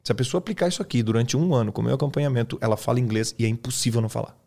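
A man with a Brazilian Portuguese accent, an English teacher explaining his method in a relaxed, colloquial chat, often tagging his sentences with quick questions. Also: medium pitch, gravelly. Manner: relaxed, colloquial, peppers speech with tag questions.

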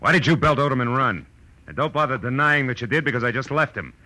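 A man's voice: mid-range voice, fast, bright, forceful tone, dry recording, lightly acted, poor audio. A man playing a tough, wry private detective in 1940s radio drama style, with clipped, slangy delivery. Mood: tough, accusing. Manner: clipped, slangy, hard-boiled. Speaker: actor playing the lead and narrating. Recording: old radio recording with music.

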